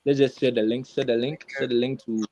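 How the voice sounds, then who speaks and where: A man's voice: medium pitch, fairly even intonation, a little fast, a little mellow, no echo, muffled recording. A man co-hosting a live webinar informally, urging the attendees along with repeated phrases. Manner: repetitive, urging. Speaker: co-host welcoming attendees.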